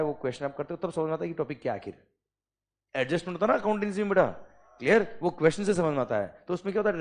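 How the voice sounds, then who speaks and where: A middle-aged man teaching a classroom of students, lively and constantly checking that they follow. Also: medium pitch. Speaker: tax lecturer. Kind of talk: classroom lecture in Hindi-English mix.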